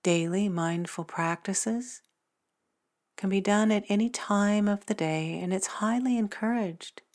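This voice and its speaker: A woman narrating a guided meditation in a soothing, measured manner with long pauses between phrases. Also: mid-range voice, a little mellow. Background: new-age meditation music.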